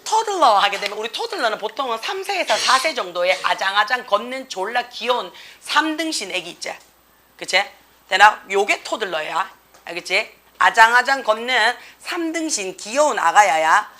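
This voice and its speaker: A woman's voice: medium pitch, sing-song, normal speed, bright, forceful tone. A young woman teaching an English reading lesson, explaining a passage and checking in with students with constant tag questions.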